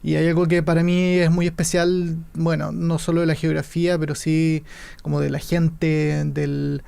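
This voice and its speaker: A Chilean man speaks in a somewhat high, gravelly voice with little rise and fall. He is a film director in an interview, weighing each thought and pausing to find the right word. His accent marks him as from Santiago. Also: level tone, a little mellow. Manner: thoughtful, searching for words. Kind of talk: interview conversation.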